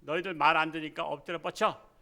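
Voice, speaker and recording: A man voicing a stern but loving father who scolds his sons, in a gruff scolding way. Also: a little high, fairly even intonation, fast, sharp tone.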